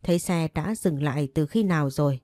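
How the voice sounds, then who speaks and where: Low, mellow woman narrating a story. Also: a little fast, no echo. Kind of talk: scripted first-person story narration. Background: faint music.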